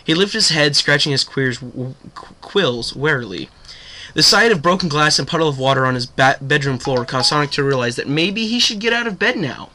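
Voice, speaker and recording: A man's voice: on the high side, bright, forceful tone. A man with a cold reading a fan story aloud in a casual way, sometimes stumbling over words. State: sick with a cold. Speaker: fanfiction reader.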